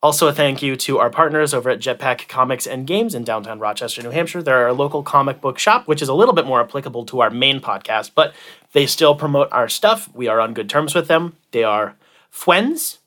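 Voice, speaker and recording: A man hosts a podcast in a medium-pitched voice. He talks casually and swears freely. His delivery rambles, full of joking, sarcastic asides. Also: expressive, brisk, pushed and bright. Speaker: podcast host. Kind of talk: casual, profane podcast banter.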